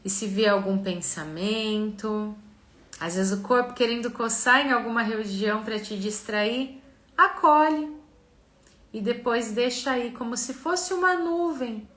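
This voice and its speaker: A Brazilian woman leads a guided relaxation and visualization in a slow, gentle, soothing manner with long pauses. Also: a little high. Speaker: mentor and therapist leading a live session. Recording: echoey room sound.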